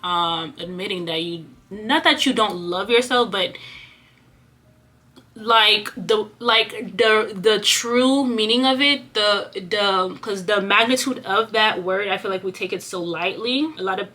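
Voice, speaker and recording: A woman's voice: medium pitch, measured pace, sharp tone. Earnest young woman who stutters. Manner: stutters, with repeated words and restarts; earnest, reflective, addresses viewers directly. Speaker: vlogger. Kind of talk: candid personal vlog talk.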